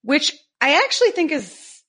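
A woman's voice: high voice, big pitch swings, normal speed, pushed and bright. A woman hosting a podcast interview, asking questions in a friendly way and encouraging her guest. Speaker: podcast host.

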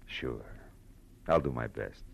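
An actor playing a wry, world-weary private detective in a 1940s radio drama, with a tough, clipped delivery. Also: male voice, very deep voice, animated, takes it slowly, creaky, background noise, heavily acted. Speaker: lead actor and narrator.

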